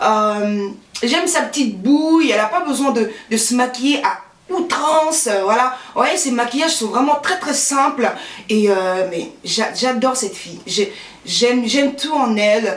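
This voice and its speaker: A woman speaks at a high pitch and a fairly slow pace, her intonation lively. The room echo is audible, and background noise is noticeable. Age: 20s. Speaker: beauty youtuber. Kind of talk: casual vlog. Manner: hesitant, many fillers.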